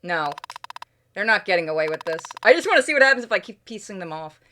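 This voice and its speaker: A woman's voice: mid-range voice, sing-song, fast, sharp tone, a little hiss or hum. A woman streaming a game, reading its story aloud as dramatic narration.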